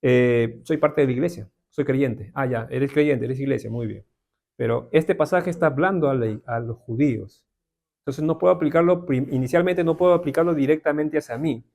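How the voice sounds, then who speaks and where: Speaking at normal speed in a medium-pitched, slightly mellow voice with vocal fry, this Peruvian man teaches a casual Bible class in a Peruvian Spanish accent. He keeps it conversational, often ending remarks with tag questions for his listeners.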